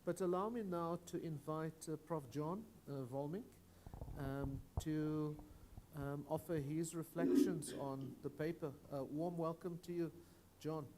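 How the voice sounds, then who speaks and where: A man chairing a conference panel in a somewhat high, mellow voice. He poses questions to the panel and stumbles into sentences with repeated words. Faint noise sits behind him. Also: fairly even intonation, measured pace.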